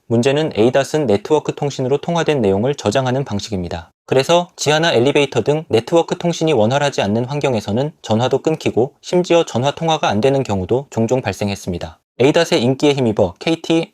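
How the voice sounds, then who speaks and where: A man's voice: mid-range voice, a little mellow, dry recording, studio quality. A man narrating a scripted product review in a polite, explanatory manner.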